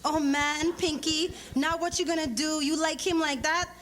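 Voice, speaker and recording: Woman reader as teasing teen girl, raised pitch, emphatic and slangy, storybook dialogue, noisy recording. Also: steady tone, moderate pace, a bit bright. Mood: teasing, insistent. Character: pushy, teasing teenage Trinidadian girl friend. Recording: clearly noisy live event recording.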